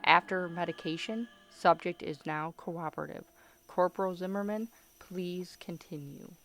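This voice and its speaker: A woman acts out a female military doctor in a radio play. Her voice is slightly low for a woman, with a sharp, forceful tone. She speaks formally and with clinical control, like someone in charge of an official record. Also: normal speed, no room sound. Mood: clinical, composed. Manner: formal, clipped, authoritative. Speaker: voice actor.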